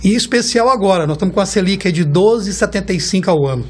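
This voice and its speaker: This is a Brazilian man in his fifties with a voice that sits a bit higher than most men's. He tells stories in a loose, conversational flow and keeps checking in with his listener. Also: lively intonation, fast, slightly rough. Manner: chatty, warm storytelling, keeps tagging phrases with a questioning "right?". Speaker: guest, car rental executive. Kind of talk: casual interview talk.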